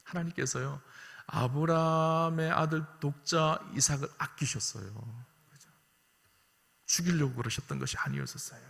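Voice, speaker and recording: A male pastor preaching to his congregation, often asking them short questions and swinging from soft to loud. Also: a little high, expressive, moderate pace, creaky. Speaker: senior pastor. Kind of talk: sermon. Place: church sanctuary. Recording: long hall reverb.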